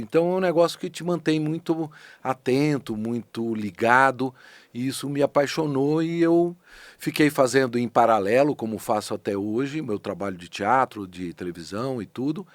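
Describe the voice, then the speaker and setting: Rich: A middle-aged Brazilian man in a podcast studio, talking about his craft as a guest with animated emphasis and frequent restarts. His voice sits at a mid pitch. It is recorded dry and close. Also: dry recording. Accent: Brazilian Portuguese. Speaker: voice actor and dubbing director, guest. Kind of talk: casual conversational interview.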